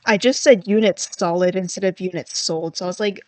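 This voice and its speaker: A woman's voice: on the low side, brisk, a little mellow, no room sound. A woman livestreaming, chatting casually and thinking aloud in a rambling, self-deprecating way, her voice starting to tire. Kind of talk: casual livestream chat while coding.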